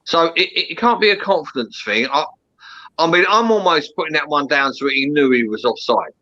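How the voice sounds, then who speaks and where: A man's voice: fairly high pitch, lively intonation, brisk, pushed and bright. Sweary English man hosting, dull lo-fi sound. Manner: blunt, sweary. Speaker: host of a football fan reaction show. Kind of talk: casual post-match discussion.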